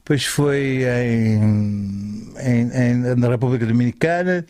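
Rambling animated storyteller man. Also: mid-range voice, takes it slowly, dry recording, studio quality. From Alentejo, Portugal. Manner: rambling, animated, many restarts and fillers. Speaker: guest. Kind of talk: casual chat, storytelling.

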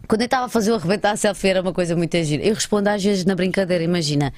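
Fast-talking Alentejo Portuguese woman. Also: fairly low pitch, darkish tone, dry recording. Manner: chatty, acts out quoted voices. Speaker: comedian and TV presenter. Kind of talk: casual interview chat.

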